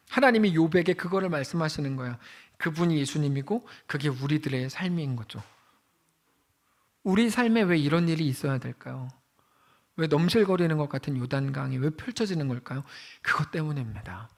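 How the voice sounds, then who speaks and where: Animated, high-pitched male pastor preaching. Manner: conversational preaching, acts out quoted voices. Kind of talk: sermon. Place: church sanctuary.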